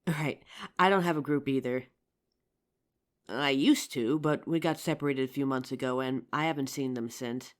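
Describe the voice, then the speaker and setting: A woman plays an injured young survivor scavenging through a zombie apocalypse. Her voice sits low for a woman, and she speaks haltingly, as in an intimate roleplay audio drama. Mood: relieved, fond.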